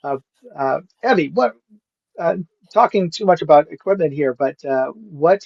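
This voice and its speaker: Middle-aged American male host, gravelly fry in the voice, dry close sound, halting casual delivery. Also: on the high side, lively intonation, no echo, muffled recording. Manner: halting, repeats himself. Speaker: live show host. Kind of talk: casual live chat. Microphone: USB microphone.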